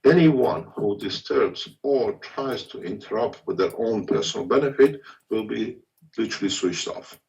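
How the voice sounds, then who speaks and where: A man speaking to a workshop through a phone handset while his signal breaks up. He talks haltingly, with restarts and stretched phrases. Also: fairly low pitch, animated, darkish tone. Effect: signal breaking up on a remote call. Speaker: foundation head addressing a workshop. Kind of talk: speech over a call. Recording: distant muffled dropping call audio.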